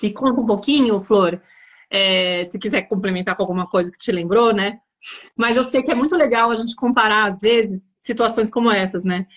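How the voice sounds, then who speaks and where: A woman's voice: mid-range voice, moderate pace, a bit bright, lo-fi sound. A woman hosting a live chat, telling a family story with lots of quoted dialogue. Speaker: host.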